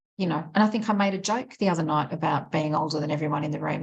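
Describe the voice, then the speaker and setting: Speaking at a very fast pace, a woman with an Australian accent uses lively intonation. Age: 50s. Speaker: aged care advocacy leader. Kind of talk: panel interview.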